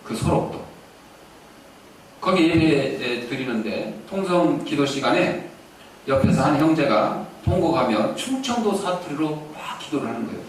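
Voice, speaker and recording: A pastor preaching a sermon and telling a story with animation, recorded in a church sanctuary. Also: male voice, on the high side, animated, moderate pace. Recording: echoey church, distant mic, faint hiss.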